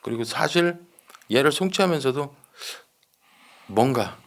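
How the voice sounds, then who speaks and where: A man with a gravelly, creaky mid-pitched voice talks through a criminal case as a commentator. He explains conversationally and emphatically, circling back over his points. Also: expressive, a little slow, a bit bright. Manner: emphatic, explanatory, repeats points, seeks agreement. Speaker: true-crime commentator with detective background.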